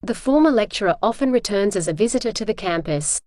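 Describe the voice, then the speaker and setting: A woman's voice: mid-range voice, expressive, fast, a little mellow, no room sound, clean studio sound. A woman reading scripted practice sentences aloud for an English exam lesson.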